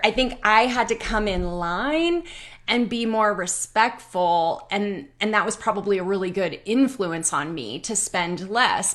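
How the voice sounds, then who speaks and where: A woman hosting a live online conversation, candid and chatty, laughing often. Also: medium pitch. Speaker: host.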